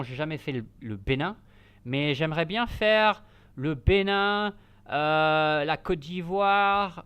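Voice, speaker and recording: A host whose first language is Spanish, chatting casually through a live football match, answering viewers in a rambling, halting way full of restarts and switching between English and French. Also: medium pitch, a bit bright, clean tone. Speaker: host of a live football watch-along stream.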